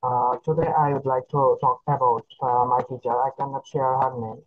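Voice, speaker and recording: A man with a Bangladeshi accent struggles through an impromptu speech, stumbling on "uh" again and again. He speaks very slowly. His voice comes through a muffled, phone-like line. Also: medium pitch, flat delivery, no room sound. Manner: hesitant, many "uh" fillers. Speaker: student speaker. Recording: muffled phone-like call audio.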